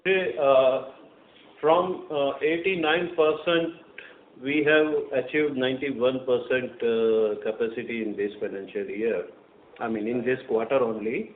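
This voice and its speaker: Indian male executive, hesitant off-the-cuff answers, roomy phone connection with faint noise. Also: mid-range voice. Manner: halting, hesitant delivery. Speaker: company executive answering questions. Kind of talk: unscripted question-and-answer. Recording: echoey, noisy narrowband phone line.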